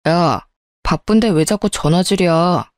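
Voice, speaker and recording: A woman doing a snappy dismissive husband in a spoken story, curt and bossy, low and a bit distant, mellow tone. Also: a little slow, no room sound, clean studio sound, lightly acted. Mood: irritated. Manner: curt, irritated, ordering. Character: brusque dismissive husband, adult man.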